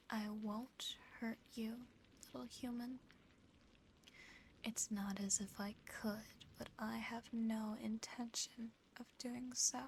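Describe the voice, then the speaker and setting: Woman playing a very slow, whispering seductive demoness. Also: a little high, darkish tone, slight background noise, poor audio. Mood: teasing, reassuring. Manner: slow, breathy whispering, teasing, lingering pauses. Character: seductive, possessive female sleep paralysis demon, teasing and lonely. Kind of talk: whispered ASMR roleplay. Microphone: close ASMR microphone.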